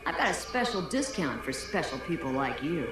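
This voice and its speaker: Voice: medium pitch, big pitch swings, moderate pace, natural voice. A voice actor playing a friendly independent street vendor in a video game. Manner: friendly sales patter. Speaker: game character. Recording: game audio in a roomy space with music.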